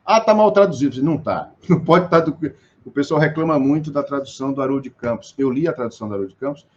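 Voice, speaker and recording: A Brazilian man talks at a middle pitch in an interview, stopping and restarting often as he explains. His speech is full of small fillers. The recording sounds a little dull. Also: quick pace, slight background noise. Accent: Brazilian Portuguese. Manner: hesitant, many restarts and fillers. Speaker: guest.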